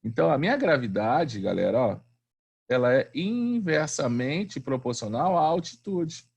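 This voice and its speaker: A man's voice: mid-range voice, big pitch swings, a little slow, gravelly, darkish tone, slightly rough, lo-fi sound. A man teaching a physics class online in a chatty, slangy way, often asking the students questions.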